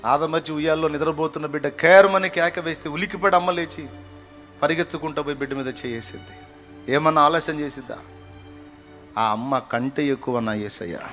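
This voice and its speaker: A man preaching a fervent, scolding sermon, breaking into slow hymn singing. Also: on the high side, fairly bright tone, soft background music. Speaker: pastor.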